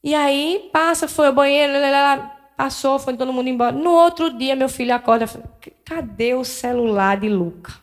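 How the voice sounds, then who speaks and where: Woman, middle-aged, spiritist lecturer, fairly high voice, animated storytelling, plays out dialogue. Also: moderate pace, faint music behind. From Northeast Brazil. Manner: candid and self-deprecating with the audience. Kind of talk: personal storytelling in a spiritual talk.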